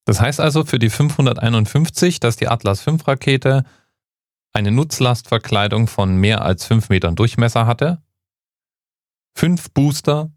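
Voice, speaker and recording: A man's voice: on the low side, no room sound, studio quality. A man hosting a podcast, explaining things in a conversational narrating style. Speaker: podcast host.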